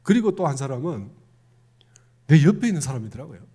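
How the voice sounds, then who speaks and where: A middle-aged Won Buddhist minister from Korea's Gyeongsang province gives a conversational sermon, asking the congregation questions in his Gyeongsang accent. His slightly high voice is very animated, a little fast, dark in tone and slightly rough.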